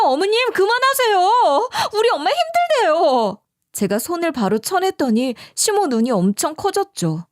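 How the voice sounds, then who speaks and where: A woman's voice: a little high, a little mellow, no echo, clean studio sound. A woman narrating a first-person story in a scripted, emotional storytelling style.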